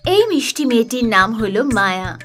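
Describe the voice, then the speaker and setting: Woman, high, animated, cartoon narration, music in background. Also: moderate pace. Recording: music playing behind.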